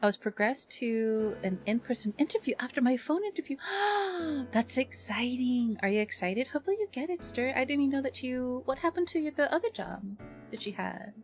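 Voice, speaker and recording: A woman livestreamer chatting casually with viewers in a bubbly, expressive and affectionate way. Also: high-pitched, fairly quick. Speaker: live streamer and ASMR content creator. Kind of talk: casual livestream chat with viewers, greeting them and reading messages. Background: background music.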